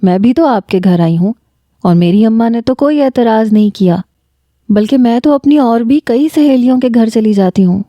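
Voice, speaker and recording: A woman's voice: on the high side, animated, no echo, lo-fi sound, close to an everyday voice. A woman voicing a confident, talkative young college girl in a storybook reading. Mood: brash. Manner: talkative, brash, self-assured.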